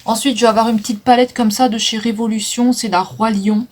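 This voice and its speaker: Recorded on a phone, this woman goes through a makeup declutter to sell her products, chatting casually with lots of fillers and tripping over English names. Her voice is on the high side, brisk and steady, with a darkish tone.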